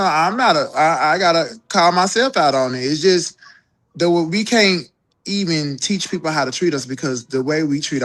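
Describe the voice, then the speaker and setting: A woman's voice: deep voice, a bit bright. A trans woman co-hosting a podcast, talking heatedly in a casual group chat, repeating words, cursing and calling the others "girl". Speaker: podcast co-host.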